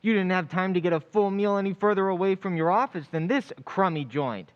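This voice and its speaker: A man's voice: sits high, brisk, clean tone, highs cut off, natural voice. A man playing a naive, grumbling little bartender in an old-time radio play, slangy and put-upon. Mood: earnest, grumbling.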